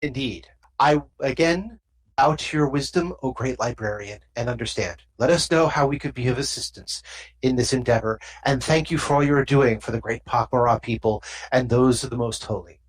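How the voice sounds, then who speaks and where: A woman's voice: normal speed, slightly rough, poor audio. A woman voicing a solemn male alien diplomat who bows and speaks formally and deferentially. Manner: formal, deferential, low murmuring.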